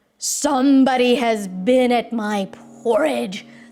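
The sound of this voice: Over faint background music, a woman in a put-on character voice speaks gruffly at a fairly slow pace and a high pitch.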